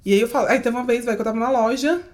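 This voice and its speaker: A young woman from Brazil chats at a fast clip. Her voice sits high, and she piles up casual fillers as she tells everyday stories. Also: darkish tone. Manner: rapid storytelling with fillers like tipo and véi. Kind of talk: casual chat.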